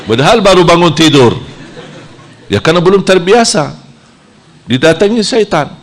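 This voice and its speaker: A man from Saudi Arabia, preaching a sermon in a lively style whose pitch jumps high when he plays out temptations. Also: moderate pace.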